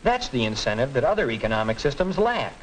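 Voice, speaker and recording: A young man playing an earnest high school student explaining capitalism, in 1940s educational film acting, on a hissy old film soundtrack. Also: sing-song, quick pace, lightly acted, rough recording.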